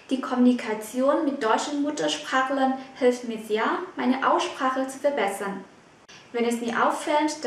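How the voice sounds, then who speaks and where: A woman from Vietnam teaching German pronunciation, saying each word slowly and clearly between quick explanations. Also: high-pitched, very echoey, distant mic, a little hiss or hum.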